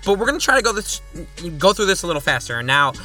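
Bright, chatty male podcast host. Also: high voice, very animated, faint music behind. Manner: chatty, jokey asides, rapid topic rundowns. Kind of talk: casual solo podcast.

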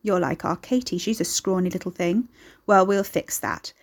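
A woman's voice: lowish voice, normal speed, vocal fry. Woman putting on a nosy, rambling old grandmother. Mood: bossy. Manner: folksy dialect, rambling, nosy. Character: elderly gossipy grandmother, maternal, pushy, grumbling about family.

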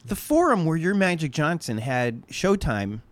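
An interview host chats in a loose, talkative way, the pitch leaping up and down on words they want to stress. The voice sits mid-range, and the delivery runs quick and unpolished, with restarts along the way. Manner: chatty, lively intonation with big pitch swings. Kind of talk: casual interview chat.

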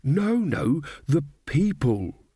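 Man doing old woman, fairy godmother, mild, rambling, higher voice, slow. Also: big pitch swings, warm tone, breathy edge, no echo, studio quality, exaggerated voice. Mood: mild, chatty.

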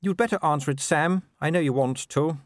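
A man's voice: a little high, fairly quick, dry recording, clean studio sound, voice pushed up, close to an everyday voice. A man voicing a genteel, chatty upper-class wife with a fond, reassuring manner in an audiobook. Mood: fond, soothing. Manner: chatty, gushing, upper-class turns of phrase. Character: genteel aristocratic middle-aged wife, breezy, fondly reassuring. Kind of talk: audiobook character voice.

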